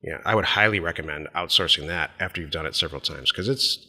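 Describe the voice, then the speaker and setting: A middle-aged American man co-hosting a podcast, giving blunt, opinionated business advice in a casual, husky voice. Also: low voice, quick pace, bright, forceful tone, long reverb tail. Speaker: podcast co-host.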